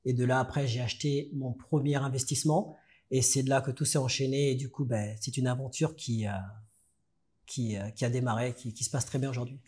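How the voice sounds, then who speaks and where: This is a mid-range male voice belonging to a guest from France on a podcast interview. Laid-back and halting, he shares his story, repeatedly breaking off to begin again.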